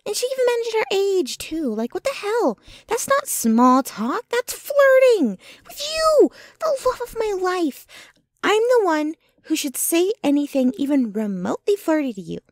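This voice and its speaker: A woman's voice: very high-pitched, very animated, measured pace, dry recording, clean studio sound, heavily acted. A woman playing a jealous, possessive, doting young girlfriend in an intimate, dramatic ASMR roleplay. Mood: jealous, indignant. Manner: intimate, dramatic, swinging between ranting and breathy murmuring.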